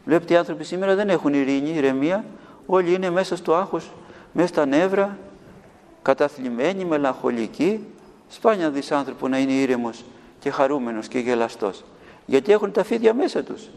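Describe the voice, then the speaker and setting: Man preaching to children in a reverberant hall. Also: on the high side. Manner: animated storytelling, asks the audience questions. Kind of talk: sermon to children with storytelling.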